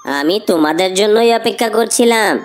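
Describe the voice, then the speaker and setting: A woman voicing a gentle, reasonable father bird in a children's cartoon, patient and mildly reproachful. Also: medium pitch, animated, normal speed, soft background music, close to an everyday voice. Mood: calm.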